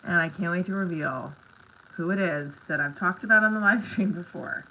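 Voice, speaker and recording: On a clearly noisy home recording with clicks, a middle-aged woman with a stuffy, congested nose hosts a live stream, chatting bluntly, candidly and with plenty of rambling. A comedy creator and performer, she speaks at a moderate pace in a lowish voice with a sharp tone.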